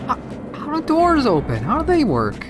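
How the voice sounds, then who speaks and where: A woman's voice: high-pitched, huge pitch swings, moderate pace, over music. A woman co-commentating on a video game in casual, joking chat. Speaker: gaming co-commentator.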